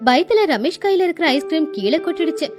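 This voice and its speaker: Expressive female storyteller, high voice, light music bed. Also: fast talker. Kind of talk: scripted village story narration with acted dialogue.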